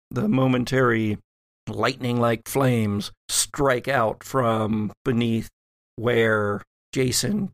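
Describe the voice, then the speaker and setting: A man's voice: mid-range voice, creaky, fairly bright tone, dry recording. A man narrating a tabletop horror game as game master.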